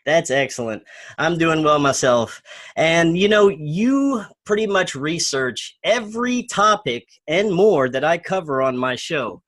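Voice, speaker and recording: A man's voice: a little high, expressive, a little slow, fairly bright tone. A man hosting an interview show, introducing his guest and asking admiring questions. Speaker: talk show host.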